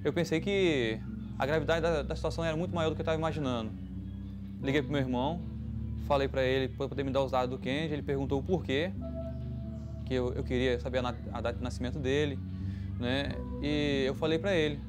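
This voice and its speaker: A man giving a halting, emotional personal testimony about a frightening family event. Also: medium pitch, steady tone. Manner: halting, emotional retelling with restarts. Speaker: testimony giver. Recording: music underneath.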